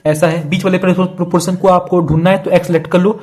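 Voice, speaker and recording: Here a young math tutor runs an informal online class, repeating key steps as he solves problems and calling his students "bhai" and "yaar" in a chatty manner. His high voice barely moves in pitch, has a darkish tone, and runs a little fast.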